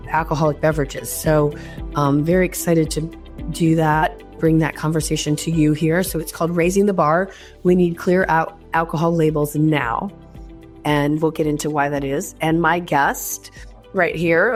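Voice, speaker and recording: A woman with a low voice and a stuffy, head-cold sound hosts an interview from a hotel room. She talks in an eager, chatty way, restarting phrases as she goes. Soft music sits faintly behind her. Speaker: podcast host. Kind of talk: casual interview chat.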